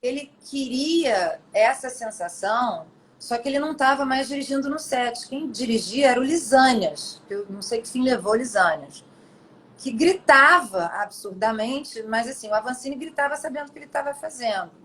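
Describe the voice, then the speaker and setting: A middle-aged actress chatting as an interview guest, telling her stories in an animated, expressive way. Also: on the high side, normal speed, a little hiss or hum, poor audio. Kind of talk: casual storytelling interview.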